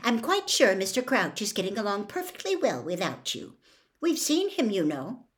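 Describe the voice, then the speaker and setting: A woman's voice: medium pitch, sing-song, normal speed, lightly acted. A woman voicing an earnest, kindly but firm young girl in a storybook, reasoning as she speaks.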